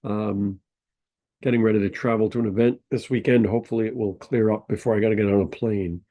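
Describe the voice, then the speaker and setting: A fairly low, steady male voice talks fairly quickly on a muffled recording. The podcast host sounds nasal and congested from a sinus infection, rambling casually through a story with lots of ums and uhs.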